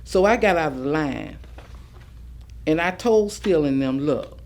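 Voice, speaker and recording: A woman's voice: low-pitched, animated, measured pace, a little mellow. A woman actor performing a defiant Black civil rights picketer's folksy, emphatic recollections, as a staged reading. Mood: defiant, resolute. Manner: plainspoken, folksy, emphatic storytelling. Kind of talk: staged reading of oral history.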